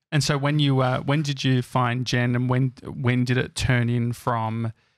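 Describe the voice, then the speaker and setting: With an Australian accent, a man of medium pitch talks at a moderate pace and with fairly even intonation, the sound dry with no echo against a quiet background. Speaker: podcast host. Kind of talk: casual chat. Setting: studio. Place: studio. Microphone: studio mic.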